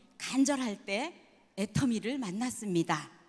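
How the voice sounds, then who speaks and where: Noticeable background noise sits under a woman's voice. She speaks at a moderate pace with lively intonation. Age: 70s. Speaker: network marketing distributor. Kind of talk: promotion ceremony speech. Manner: formal.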